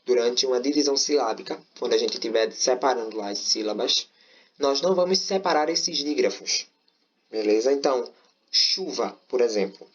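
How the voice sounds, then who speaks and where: A man gives a patient online grammar lesson at a mid-range pitch. He spells out each example slowly and keeps checking that his viewers follow along. The recording sounds a little dull and lo-fi. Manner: patient, explains step by step, often checks with "certo?". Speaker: Portuguese teacher. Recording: slightly dull, lo-fi audio.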